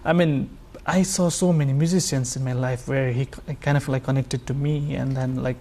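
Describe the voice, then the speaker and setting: A man from Nepal, a sarangi player chatting as a guest, halting and full of fillers. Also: mid-range voice, steady tone, warm tone. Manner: halting, many fillers like "uh" and "like", friendly. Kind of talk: casual interview chat.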